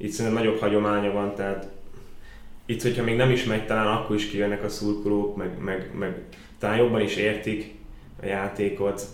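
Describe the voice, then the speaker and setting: With audible room echo, a man talks at a moderate pace in a monotone, flat intonation. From Hungary, Baja. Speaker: professional basketball player. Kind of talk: interview.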